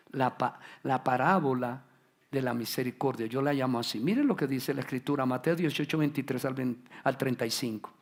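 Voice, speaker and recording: A middle-aged man preaching a sermon as pastor, animated and acting out the voices he quotes. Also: on the high side, gravelly.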